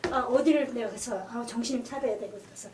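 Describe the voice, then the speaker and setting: A middle-aged woman telling a personal story as a guest on a radio talk show, lively and acting out the dialogue as she goes. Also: fairly high pitch, fast, recorded from a distance, slight background noise.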